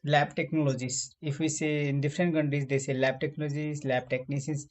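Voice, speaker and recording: A man with a South Asian accent chatting casually in halting English, repeating phrases as he goes. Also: on the high side, flat delivery. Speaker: medical lab technician. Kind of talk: casual language-practice chat.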